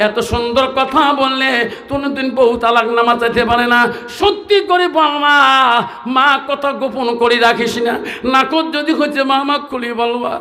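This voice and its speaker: A man voicing a pleading young husband and devoted son, calling out in tearful shouted, half-sung cries. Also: extremely high pitch, moderate pace, reverberant.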